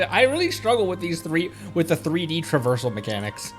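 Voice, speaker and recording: A male streamer talks in a casual, rambling way, thinking out loud as he plays and greets viewers. His pitch is mid-range but swings about in a lively way. Music plays behind him. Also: brisk. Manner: rambling, chatty, thinking aloud. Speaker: livestreamer hosting a game stream. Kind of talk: casual gaming chat with viewers.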